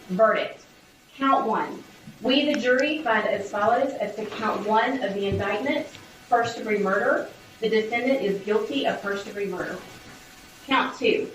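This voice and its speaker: A woman court clerk formally reading a document aloud in a courtroom, recorded from a distance with noise. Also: fairly high pitch. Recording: very echoey courtroom, distant and noisy.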